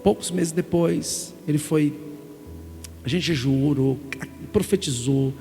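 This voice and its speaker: A middle-aged Brazilian man preaching a sermon, telling an emotional story in an animated way. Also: fairly high pitch, slow, gravelly. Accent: Brazilian Portuguese. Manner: emotional storytelling, animated, calls listeners "gente". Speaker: pastor. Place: church sanctuary. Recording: reverberant church hall with music.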